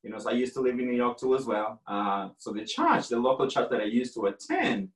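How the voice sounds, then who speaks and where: A man in his forties, originally from Kenya, telling his story as a guest in a relaxed, rambling podcast conversation. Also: medium pitch, a little fast, reverberant, distant mic. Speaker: franchise owner guest.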